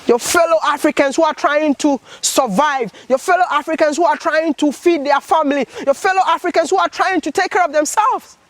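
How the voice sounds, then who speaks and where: A man's voice: very high-pitched, fairly bright tone, a little hiss or hum, poor audio. A man vlogging with earnest, impassioned commentary, asking repeated rhetorical questions.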